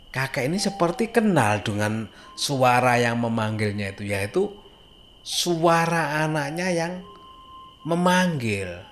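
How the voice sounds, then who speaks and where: A man narrates a horror story informally, in a halting way with dramatic pauses and rhetorical questions. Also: medium pitch, a bit bright, slight background noise.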